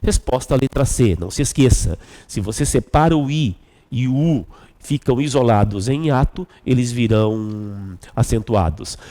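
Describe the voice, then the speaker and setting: A Brazilian man teaches an exam review class, walking through each answer patiently and checking in with "tá bom?". His voice moves up and down a lot and sounds mellow rather than bright. The room rings with a long echo. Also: mid-range voice. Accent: Brazilian Portuguese. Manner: explains step by step, asks "tá bom?". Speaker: Portuguese teacher.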